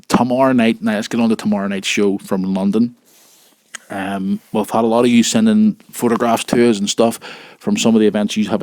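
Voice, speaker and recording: Low-voiced man, husky with a cold. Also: a little mellow, no echo, studio quality. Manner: informal, addresses listeners directly. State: has a cold. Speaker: wrestling show host. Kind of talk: casual news and listener-mail chat.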